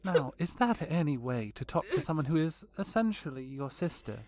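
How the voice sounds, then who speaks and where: A woman's voice: low voice, big pitch swings, normal speed, a little mellow. A woman playing a cold, vengeful vampire villainess in an audio drama, taunting with genteel menace. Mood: gloating menace.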